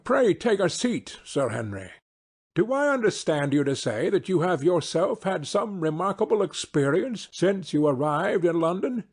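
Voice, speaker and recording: A man's voice: sits high, very animated, normal speed, a little mellow, slightly rough, full character voice. A man reading an audiobook as a keen, analytical detective, courteous, with a precise, questioning delivery. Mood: probing.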